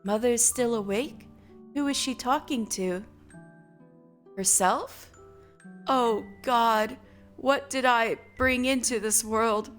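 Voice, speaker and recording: A woman's voice: a little high, a bit bright. A woman voicing a mother who fears her own young daughter, brooding anxiously and speaking carefully. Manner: anxious, brooding inner monologue. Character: frightened, guilt-ridden mother of a strange child.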